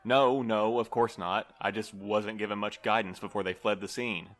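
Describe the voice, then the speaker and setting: A man's voice: on the low side, fairly even intonation, normal speed, fairly bright tone, lightly acted. A man playing a flustered, wordy office manager in an audio drama, formal and bureaucratic in manner. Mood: worried, explanatory.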